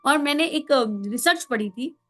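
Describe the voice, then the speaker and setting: Woman, spiritual counsellor, high voice, emphatic, rhetorical questions. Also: animated, moderate pace, soft background music. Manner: emphatic, rhetorical questions, acts out family quotes. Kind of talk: spiritual talk.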